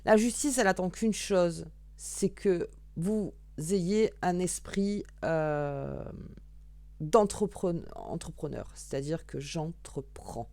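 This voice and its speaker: A woman's voice: fairly low pitch, animated, slow pace, creaky, dark tone, no echo. A woman giving a casual, chatty card reading, thinking aloud with fillers and restarts while she draws cards. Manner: shuffling and drawing cards while talking. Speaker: tarot reader.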